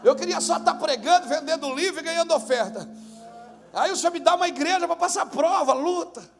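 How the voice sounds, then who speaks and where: A male pastor with a Brazilian Portuguese accent, preaching a lively live sermon at a church conference, telling stories and rising to shouts. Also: extremely high pitch, a little fast, gravelly, a little hiss or hum. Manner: animated preaching that builds to shouts; tells stories through acted dialogue.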